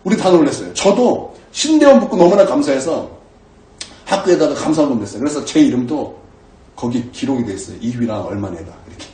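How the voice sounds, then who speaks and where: A male pastor preaching a sermon, telling stories with lively delivery and acting out his own earnest prayers. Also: fairly high pitch, fairly quick, reverberant, recorded from a distance. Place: church sanctuary.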